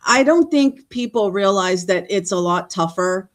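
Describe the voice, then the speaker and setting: A woman's voice: medium pitch, expressive, measured pace. A middle-aged woman from California, a guest on a livestream, chatting casually with lots of fillers and frequent laughs. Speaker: guest panelist.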